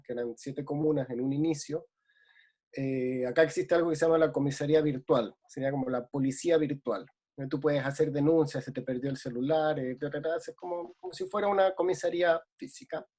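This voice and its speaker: A man's voice: a little high, dark tone. A man from Ecuador speaking reflectively in a casual remote conversation, with many hesitations. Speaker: guest.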